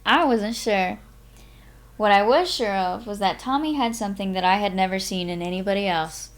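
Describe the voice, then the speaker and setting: A woman hosting a live stream, speaking in an expressive, unhurried way with dramatic, drawn-out phrasing. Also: medium pitch. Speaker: host of a live reading stream. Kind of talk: expressive audiobook-style reading and casual stream chat.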